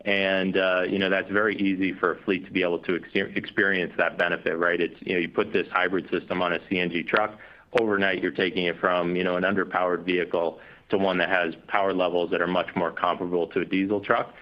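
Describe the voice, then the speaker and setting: Very low-pitched male executive on conference call. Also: little pitch movement, quick pace. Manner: explanatory, frequent you know and right as tags. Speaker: company executive answering analyst questions. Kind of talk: earnings call answers, spontaneous business talk. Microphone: conference call line. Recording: dull, lo-fi conference call audio.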